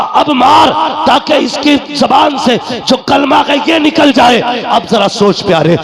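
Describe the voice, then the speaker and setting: Gravelly preacher man, crowd murmuring. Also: high voice. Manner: builds from hushed narration to shouted climax. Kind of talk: sermon storytelling. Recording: roomy gathering with crowd. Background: congregation responding.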